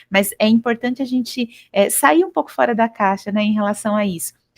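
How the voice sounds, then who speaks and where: In a dry, close recording with no echo, a woman with an interior São Paulo accent talks at a fairly quick pace in a medium pitch, somewhat breathy, with ordinary pitch variation. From Brazil, interior of São Paulo state. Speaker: podcast host, educator. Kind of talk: interview conversation.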